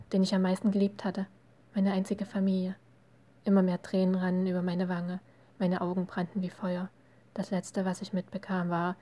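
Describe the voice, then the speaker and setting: A woman reading her own first-person novel aloud as an audiobook, at a steady, even pace. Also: fairly low pitch. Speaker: amateur audiobook reader.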